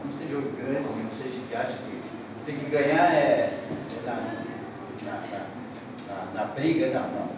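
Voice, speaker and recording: A man's voice: medium pitch, normal speed. Emotional man in an echoey hall. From southern Brazil. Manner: emotional, repetitive, gestures broadly while speaking. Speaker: real estate broker giving a speech. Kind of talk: informal ceremony speech. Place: large indoor hall. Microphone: distant room mic. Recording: echoey hall, distant mic, noisy.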